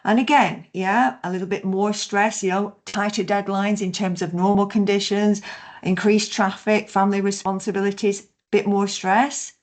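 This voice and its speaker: A woman's voice: medium pitch, flat delivery, normal speed. A woman trainer leading an online session over a video conference call, explaining steadily and often checking in with "yeah?". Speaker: workshop trainer.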